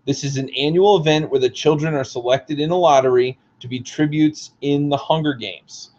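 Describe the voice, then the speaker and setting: A hoarse man, the book's author, reads passages aloud from his own book and explains them with casual asides. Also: fairly high pitch, moderate pace, a little mellow, highs cut off.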